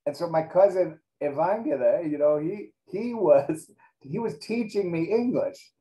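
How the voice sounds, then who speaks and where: A middle-aged man whose first language is Greek, reflecting in an oral history interview, halting and restarting often. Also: fairly high pitch, expressive, warm tone, poor audio.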